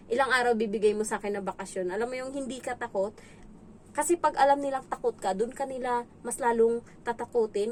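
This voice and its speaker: A woman from the Philippines, a domestic helper telling stories in a casual vlog and acting out the voices she quotes. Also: a little hiss or hum. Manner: chatty, acts out quoted voices in a high pitch. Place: indoors in her employer's home.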